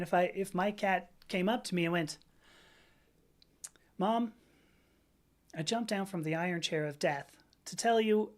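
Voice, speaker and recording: A woman in her fifties hosting a livestream, chatting casually in a rambling way, laughing often and reading out viewers' comments. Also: on the low side. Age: 50s. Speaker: livestream host.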